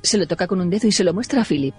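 A man reads audio description for a film in a plain, measured, neutral manner. His voice is fairly high, with faint music under it. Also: animated, a little mellow.

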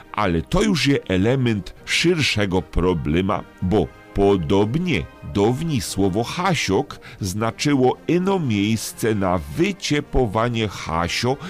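Male radio columnist, Silesian accent, explanatory scripted delivery, slow pace, low register. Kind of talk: scripted spoken column explaining regional words. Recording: faint music bed behind the voice. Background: faint music.

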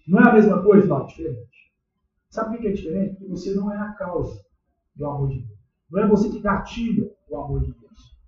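Man, Brazilian Portuguese accent, pastor preaching in church, casual slangy questions, high voice, heavy echo, distant muffled mic. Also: a little mellow. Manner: conversational, asks the congregation questions, slangy. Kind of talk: sermon. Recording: echoey church hall, distant dull mic.

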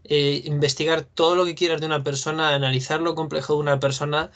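A man talks through his ideas about film in a loose, reflective commentary, pausing with fillers as he reasons. His voice sits a little higher than most men's. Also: flat delivery, a bit bright. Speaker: film discussion co-host.

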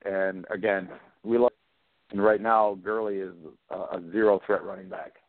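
A man's voice: sits low, little pitch movement, normal speed, no echo. A man on a sports radio panel giving blunt, confident picks with playful jabs. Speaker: fantasy football panelist. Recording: dry, phone-like narrow band.

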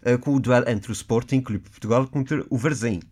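A man from the Azores co-hosting a casual radio chat, quick and playful, joking about himself. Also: mid-range voice, a little mellow, husky. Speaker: radio co-host.

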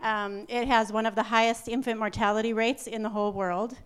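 A middle-aged woman, a missionary nurse, explaining background in a steady, informative way during a church presentation. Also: a little high, fairly quick, smooth.

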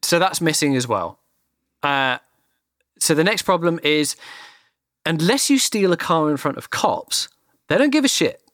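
A man's voice: fairly high pitch, sing-song, unhurried, long pauses, fairly bright tone, no echo, studio quality. A man ranting animatedly in casual chat as a podcast co-host, swearing freely.

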